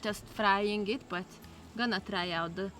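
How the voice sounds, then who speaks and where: A woman's voice: mid-range voice, steady tone, a little slow, bright, forceful tone. A woman hosting a casual outdoor cooking vlog, chatting and giggly as she explains things. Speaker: vlog host. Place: outdoors on a farm.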